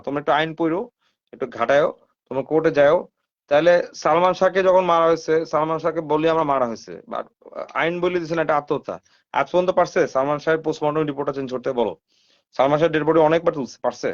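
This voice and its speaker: A man's voice: a little high, very fast, highs cut off. A man hosting a live stream, talking straight to his viewers in casual commentary, asking them rhetorical questions and mixing English phrases into his talk.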